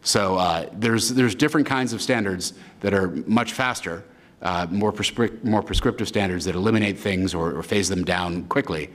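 A man with a very deep voice explains policy on a panel. He speaks in long, fluent sentences that run on without pause.

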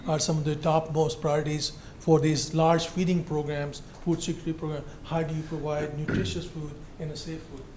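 Higher voiced guy on a panel, really flat delivery, some room noise. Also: normal speed, few pauses. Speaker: panel speaker. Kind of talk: spontaneous panel answer.

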